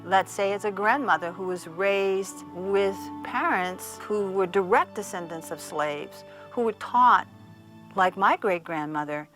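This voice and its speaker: A woman speaks in an explanatory interview style. Her pitch is average and quiet music runs beneath her words. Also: measured pace.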